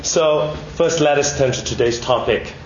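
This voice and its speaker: A man with a Malaysian accent and a mid-range voice gives a prepared, sermon-like Christian talk to students in an indoor room, speaking in measured short phrases with rhetorical questions. He's recovering from a bad cold, with one ear blocked. The recording is echoey and dull with faint noise, and a crowd is audible in the background.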